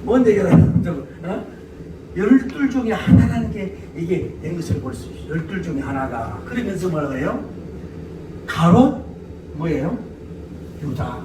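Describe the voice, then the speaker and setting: A middle-aged male pastor preaches a lively sermon in a high voice. His pitch jumps all over as he shouts questions and laughs between points. He sounds far from the mic in a roomy, echoing hall with a faint hiss underneath. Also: normal speed, long pauses. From South Korea.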